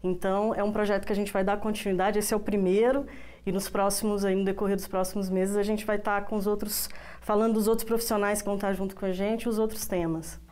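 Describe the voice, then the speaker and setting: A woman in her thirties from Brazil speaks as a guest on a TV studio interview, talking casually with frequent restarts. Her voice sits at an ordinary middle pitch. The sound is close and clean from a lapel mic. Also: level tone, fast, darkish tone. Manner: casual, fillers and restarts, uses "a gente vai tá". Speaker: project coordinator, guest.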